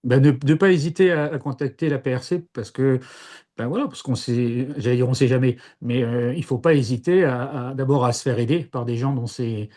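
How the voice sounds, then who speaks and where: A man's voice: medium pitch, moderate pace, darkish tone. A man in his sixties from Paris, recounting his past in an interview, hesitant with many fillers and restarts. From Paris, France. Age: 60s. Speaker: interviewee, former seminarian. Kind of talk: casual interview testimony.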